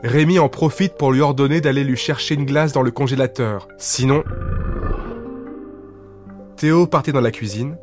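A man telling a bedtime story in a lively, expressive reading voice. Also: mid-range voice, moderate pace, pauses often, faint music behind.

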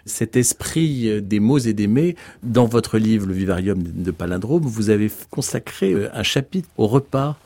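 A man's voice: on the low side, lively intonation, normal speed, few pauses, warm tone. A man hosting a radio interview, speaking hesitantly with many filler sounds. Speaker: radio host.

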